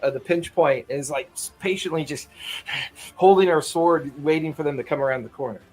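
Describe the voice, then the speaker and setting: A man's voice: fairly high pitch, fairly quick, a little mellow. A man narrating a tabletop roleplaying game as game master in a casual, improvised way.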